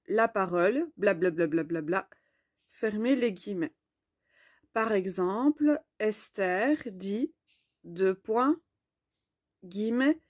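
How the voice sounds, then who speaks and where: A woman teaching a grammar lesson in a slow, clear, explanatory way. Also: mid-range voice, darkish tone, dry recording, clean studio sound.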